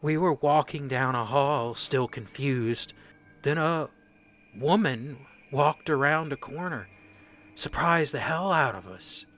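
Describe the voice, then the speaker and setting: A man playing a traumatized corporal in a radio play, recounting horrors in halting, broken phrases. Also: mid-range voice, a bit bright. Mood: haunted, shaken. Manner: halting, haunted, fragmented delivery. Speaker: voice actor.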